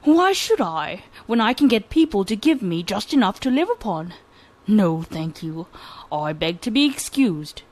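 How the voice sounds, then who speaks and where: A lazy, arrogant young man lounging in a shed talks in a loud, slow drawl. A woman reading a fairy tale puts him on. He sounds indifferent and haughty. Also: mid-range voice, sing-song, rough recording.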